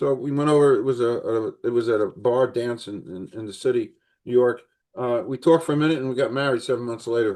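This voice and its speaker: This man talks very fast at a medium pitch, with a dark, mellow tone and ordinary pitch variation. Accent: New Jersey. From New Jersey. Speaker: interview show host. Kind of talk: casual interview chat. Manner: halting, many repetitions.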